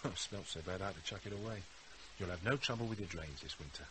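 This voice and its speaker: An actor playing a brusque, flippant husband with a British accent in a radio drama. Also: male voice, low voice, animated, fast talker, noisy background. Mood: sardonic, irritable. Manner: sardonic, impatient. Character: impatient, brusque, flippant husband, an adult man.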